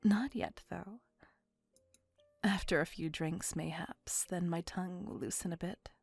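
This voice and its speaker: A centuries-old vampire lady, as a woman acts her out, whispers close and low in a husky, gravelly hush. She is possessive and doting, and her speech is formal and old-fashioned. Faint music hums under a dry, close sound. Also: a little slow, no room sound, heavily acted. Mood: wistful. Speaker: voice actor. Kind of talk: ASMR roleplay.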